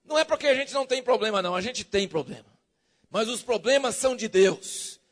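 Very high-pitched fervent Brazilian preacher man. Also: lively intonation, fairly quick. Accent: Brazilian Portuguese. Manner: fervent, swinging from loud shouts to soft low lines; jokey, drawing the congregation in with questions. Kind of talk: sermon.

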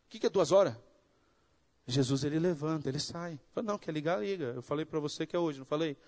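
Brazilian guy preaching his testimony, acts out the voices, gets real fired up, kinda high voice. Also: fast talker. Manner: animated storytelling, acts out dialogue; rising to fervent preaching. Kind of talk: sermon testimony.

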